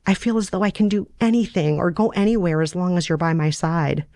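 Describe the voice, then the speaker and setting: A woman's voice: fairly low pitch, brisk, dark tone, no room sound, clean studio sound, natural voice. A woman voicing an anxious, lovestruck sixteen-year-old Amish girl in a story, earnest and pleading. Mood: tender, earnest.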